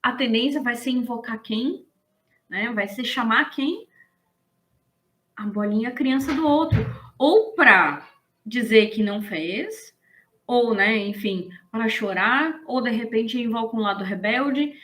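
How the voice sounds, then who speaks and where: A woman, explaining ideas in a casual, animated lesson and checking in with her listeners. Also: on the high side, slow. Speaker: business management instructor.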